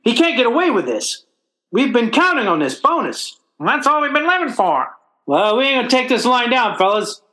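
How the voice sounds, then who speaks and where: An actor playing an excitable, blustery but easily cowed working man in old-time radio comedy style. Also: extremely high pitch, brisk, heavily acted. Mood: indignant. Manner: excitable, blustery, stammering under pressure. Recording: roomy, echoing recording.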